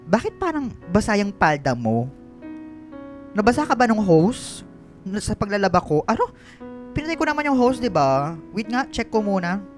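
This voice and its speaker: An actor in a radio drama playing an excitable, effeminate gay Filipino expectant father, campy and melodramatic, mixing in English and girly slang. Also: mid-range voice, normal speed, faint music behind, lightly acted. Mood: doting, playful.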